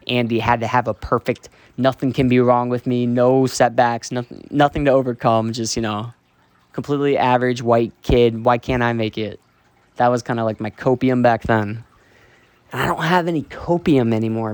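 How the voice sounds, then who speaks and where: A young man, a streamer, candidly rambling and ranting while he walks around a dark basement talking into his phone, swearing freely and filling with "like". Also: medium pitch, steady tone, normal speed, clean tone, no room sound. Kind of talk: casual rambling monologue. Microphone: phone held while walking.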